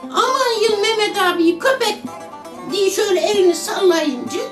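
An older woman with an extremely high-pitched voice and lively intonation recounts a personal story at a moderate pace during an interview, acting out the voices of the people in it. Her retelling is vivid, and the recording has an echoey room with music playing underneath.

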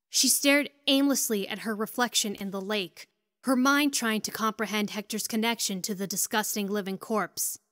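High-voiced woman narrating a story. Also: a bit bright, dry recording, studio quality.

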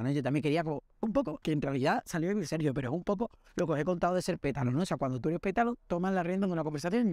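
A man's voice: on the high side, no room sound, studio quality. A young man, hosting a podcast and telling comic anecdotes, acting out the voices of the people in them. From Spain. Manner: animated, acts out the voices in his anecdotes. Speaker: podcast host. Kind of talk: comic storytelling monologue.

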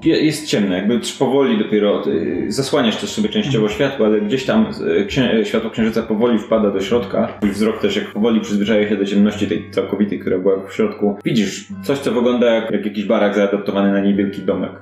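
A man's voice: fairly low pitch, fairly even intonation, a little fast, hardly any pauses, darkish tone. A man improvising descriptive narration as game master of a fantasy detective tabletop game. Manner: improvised, descriptive storytelling with hedging. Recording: roomy echo, faint music behind. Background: faint background music.

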